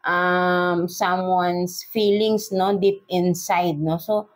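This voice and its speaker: Her lowish voice barely moves in pitch as this Filipino-accented tarot reader chats through a casual reading. She talks slowly in Taglish, heavy on fillers, frequently adding "no?" and "right?".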